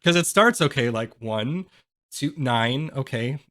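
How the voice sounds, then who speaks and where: Male game master, slow pace, dry sound, casual narration, hesitant, explanatory. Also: mid-range voice, expressive, bright, forceful tone, no room sound.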